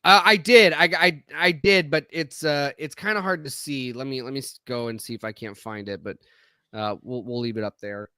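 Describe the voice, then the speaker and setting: A man's voice: medium pitch, moderate pace, pushed and bright, clean tone, dry recording, studio quality. A man co-hosting a podcast in casual chat, rambling with frequent restarts, his voice a bit scratchy from allergies. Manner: rambling, restarts often, laughs. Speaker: podcast co-host.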